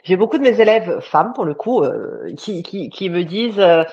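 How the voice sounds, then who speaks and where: A woman's voice: fairly low pitch, expressive, moderate pace. A woman hosting a live online interview as a love coach, chatty and hesitant with fillers. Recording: dull lo-fi sound.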